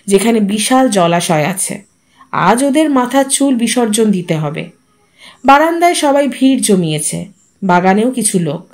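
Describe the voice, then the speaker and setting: Woman reading a short story, calm and steady, a bit high.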